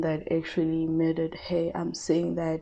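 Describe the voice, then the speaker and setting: A woman with a South African accent, fairly low in pitch, with a dark, mellow tone. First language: Tshivenda. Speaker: tarot reader. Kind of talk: psychic tarot reading monologue. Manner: hesitant, many fillers.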